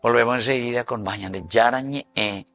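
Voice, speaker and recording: A Paraguayan Catholic priest preaching a lively sermon, moving between Spanish and Guarani, with sudden swings between loud and soft. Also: male voice, medium pitch, moderate pace, soft background music.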